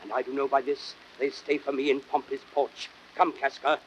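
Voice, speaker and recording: A man's voice: medium pitch, flat delivery, moderate pace, lightly acted. A man playing a bitter, persuasive Roman nobleman who plots, in declamatory, impassioned classical Shakespearean style. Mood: urgent, persuasive. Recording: noisy old audiodrama record.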